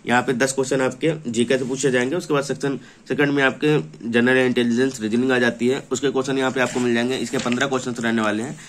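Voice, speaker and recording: A man's voice: mid-range voice, little pitch movement, fast, hardly any pauses, a little hiss or hum. Man explaining in an informal walkthrough. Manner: repetitive, explanatory, reading out lists. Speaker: presenter for a book publisher. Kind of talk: informal product walkthrough of an exam prep book.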